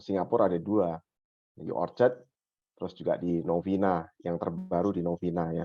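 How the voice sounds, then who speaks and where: Music plays in the background as a man speaks. His voice is very deep and low, and his pace is moderate. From Indonesia. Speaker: data and AI lead in healthcare. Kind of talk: guest talk. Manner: halting, many fillers.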